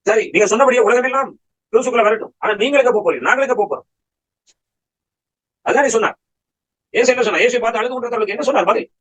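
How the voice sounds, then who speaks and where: A man's voice: extremely high pitch, very fast, pauses often, fairly bright tone, breathy edge, poor audio. A man preaching a Bible study sermon, firing rhetorical questions at his listeners and pressing his points with emphatic exhortation.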